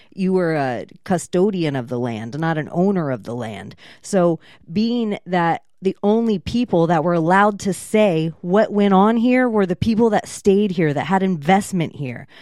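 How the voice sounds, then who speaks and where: In a very clean recording with a silent background, a speaker with an American accent and a dark, mellow tone talks at a moderate pace with lively intonation. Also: woman, medium pitch for a woman. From Florida. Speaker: podcaster and researcher. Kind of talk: casual chat.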